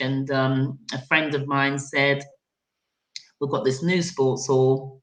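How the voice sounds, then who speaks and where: With an English accent, the speaker talks at a fairly slow pace. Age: 60s. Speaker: former teacher and basketball coach. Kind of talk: casual interview. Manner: animated.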